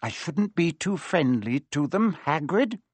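A man's voice: a little high, measured pace, husky, no echo, voice pushed up. Man voicing Filch, a sneering, spiteful caretaker. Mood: cold, nasty. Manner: sneering, gleeful, menacing. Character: spiteful gloating male caretaker, nasty and cold.

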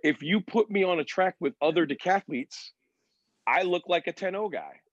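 A man with a slightly high voice talks sports in a casual panel style. He explains emphatically and keeps checking that listeners follow. The recording is dry and a little muffled. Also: lively intonation, moderate pace, dry recording. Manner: emphatic, explanatory, uses rhetorical check-ins. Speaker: former sprinter and decathlete on a sports talk panel. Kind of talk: casual panel chat, storytelling and arguing.

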